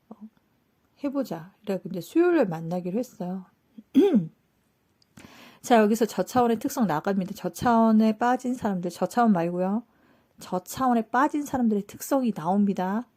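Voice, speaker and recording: A woman telling a personal story in a casual, animated way, acting out what people said. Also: mid-range voice. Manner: animated, acts out quoted dialogue. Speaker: channel host telling a story.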